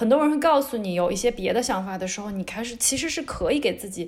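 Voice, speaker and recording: Her pitch is high and her intonation lively. The woman talks at a very fast pace. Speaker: mother. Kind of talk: casual chat.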